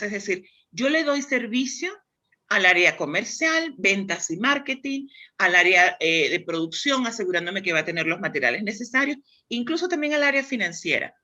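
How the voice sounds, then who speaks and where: She's a woman from Spain with a Spanish accent, a guest in a conversational interview, talking thoughtfully about demand planning with lots of restarts. Her medium-pitched voice comes across as pushed and bright.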